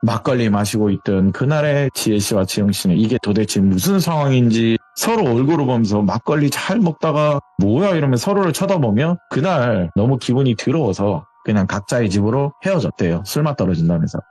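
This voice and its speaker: A man narrates a horror story in a relaxed, chatty storyteller's way. His voice is husky and dry, and his pitch moves a lot as he builds the tale, with faint music underneath. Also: a little fast, hardly any pauses, dry recording. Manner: lively, conversational retelling. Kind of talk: casual spoken horror narration. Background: faint background music.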